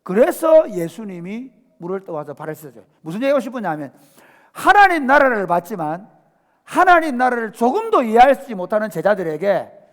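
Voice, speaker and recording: Animated pastor in echoing church. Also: male voice, sits high, a little fast. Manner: dramatic, acts out biblical voices, swings from hushed to shouting. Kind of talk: animated sermon. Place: church sanctuary. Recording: church hall reverb.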